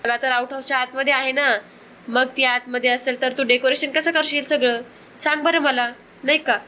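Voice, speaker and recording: Scheming young wife voiced by a woman narrator, high and bright, theatrically pleading in a dramatized recap. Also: flat delivery, normal speed, a little hiss or hum.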